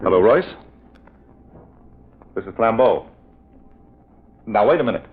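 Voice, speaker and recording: An actor playing an earnest, eager detective in an old-time radio mystery, direct and inquisitive. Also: male voice, fairly low pitch, expressive, unhurried, husky. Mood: urgent. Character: earnest, eager male detective friend of a priest. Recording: tinny, narrow old radio recording.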